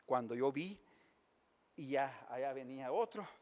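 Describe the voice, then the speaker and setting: A man preaching a sermon as pastor, telling lively stories in a church. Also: medium pitch, unhurried. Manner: lively storytelling preacher, animated. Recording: long church reverb.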